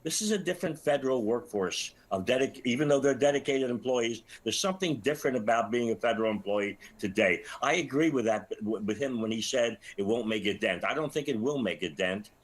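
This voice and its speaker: A man's voice: medium pitch, animated, a little fast, hardly any pauses, rough recording. An older man giving expert commentary as a guest in a live news interview. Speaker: retired air traffic controller, interview guest.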